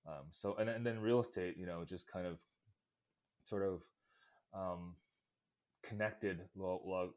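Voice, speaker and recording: A man's voice: sits low, fairly even intonation, unhurried, long pauses, a little mellow. A man from Vietnam speaking as a podcast guest, hesitant and reflective, with many uhs and ums. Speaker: interview guest, real estate investor. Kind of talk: casual interview chat.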